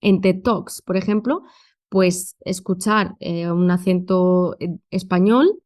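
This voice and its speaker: A woman's voice: on the low side, takes it slowly, a little mellow. A woman from Spain with a Madrid accent, a conference interpreter answering thoughtfully in a podcast interview, with many fillers. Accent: Madrid Spanish.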